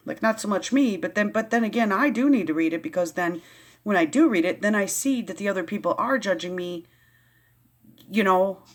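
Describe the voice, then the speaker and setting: A woman's voice: mid-range voice, animated, a little fast. Rambling, riled-up woman vlogger. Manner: rambling, easily riled, many restarts. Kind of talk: casual reading and commentary.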